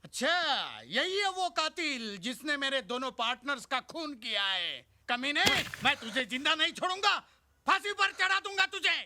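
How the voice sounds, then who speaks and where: An actor playing a hot-tempered businessman who shouts and blusters threats in a Hindi film scene. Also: very high-pitched, very animated, unhurried, hardly any pauses, slight background noise, full character voice. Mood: furious. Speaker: businessman whose partners were killed.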